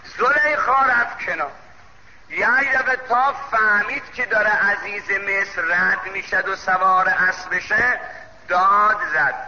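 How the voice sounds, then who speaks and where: A man preaching a sermon, telling a story with impassioned, chanting calls and drawn-out phrasing, in a dull, echoey hall recording. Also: high-pitched, pushed and bright.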